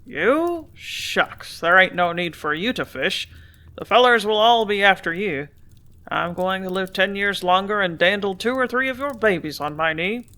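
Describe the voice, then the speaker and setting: A woman voicing a gruff older male grain dealer with folksy, blunt country speech. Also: medium pitch, animated, a little slow, bright, forceful tone. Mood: teasing.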